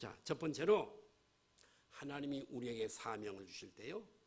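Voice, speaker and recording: A man speaks at a fairly slow pace. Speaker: pastor. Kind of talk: sermon. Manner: animated, repetitive preaching style.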